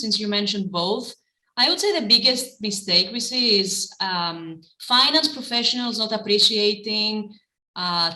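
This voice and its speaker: A middle-aged woman from Greece, answering interview questions in a measured way, with frequent ums and restarts. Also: medium pitch, sharp tone. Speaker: guest, private equity managing partner. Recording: echoey room.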